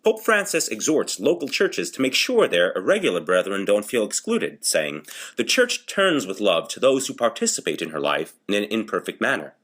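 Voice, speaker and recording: A man's voice: fairly low pitch, huge pitch swings, moderate pace, a bit bright. A man reading scripted news briefs as a voice-over artist in an audition.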